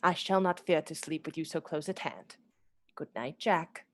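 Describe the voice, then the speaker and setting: An actress playing a sweet, playful, gently stubborn young lady with a polite, genteel manner in a radio drama. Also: deep voice, moderate pace, natural voice. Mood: gently insistent. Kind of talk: theatrical radio drama acting.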